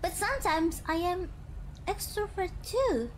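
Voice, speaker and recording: A young woman from Indonesia chatting casually while gaming on stream, halting and searching for words, often giggling. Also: very high-pitched, animated, slight background noise, rough recording. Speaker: virtual streamer.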